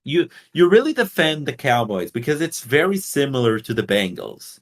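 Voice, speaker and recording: A man's voice: mid-range voice, sing-song, normal speed. A man from Portugal co-hosting a casual sports podcast, talking bluntly with swearing and rambling explanations. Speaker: podcast co-host.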